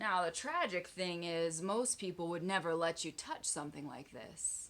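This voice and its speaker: A raspy, put-on character voice at a moderate pace. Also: woman, fairly low pitch for a woman. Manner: magical, mysterious.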